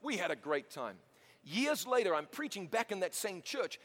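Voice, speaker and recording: A man from New Zealand with a slight American tinge, preaching a story-driven sermon in an animated, chatty way with self-mocking asides. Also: sits high, normal speed. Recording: long hall reverb.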